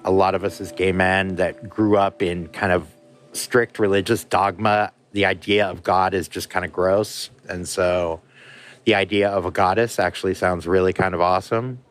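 Man, lower voice, relaxed slangy interviewee. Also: normal speed, soft background music. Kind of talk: casual interview talk.

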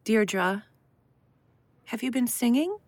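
A woman's voice: a little high, expressive, slow pace, no echo. An actress playing a middle-aged woman caring for her mother, sounding strained and easily embarrassed. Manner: tense, embarrassed, sharp when cornered. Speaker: caring daughter. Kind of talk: audio drama acting.

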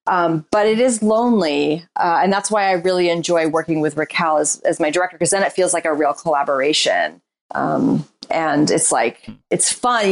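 A woman with a slightly low voice gives a candid, reflective interview about her work as a writer and performer. Her talk is loose and searching, full of "like" and "you know" as she works out her thoughts. She is a self-described introvert who still opens up easily. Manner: describes herself as shy and introverted.

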